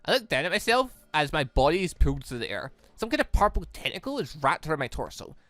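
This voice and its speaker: Performer as easygoing young man, wry, bright tone, first-person visual novel narration. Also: medium pitch, sing-song, quick pace, dry recording, soft background music.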